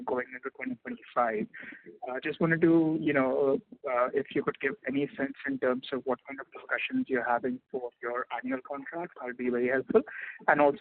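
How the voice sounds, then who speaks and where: A man asking questions as an analyst on an earnings call, deferential and a little hesitant. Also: medium pitch. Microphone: phone. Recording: dry, tinny phone line.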